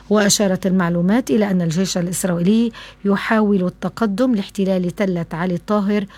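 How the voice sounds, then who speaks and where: A woman's voice: mid-range voice, a little mellow. A woman newsreader delivering a scripted news bulletin.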